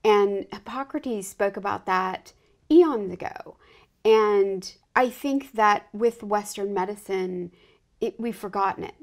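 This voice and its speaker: A woman hosts a conversational interview, speaking earnestly. She agrees with her guest emphatically and builds on her points. Her voice is mid-pitched and plain. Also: slow pace. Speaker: host.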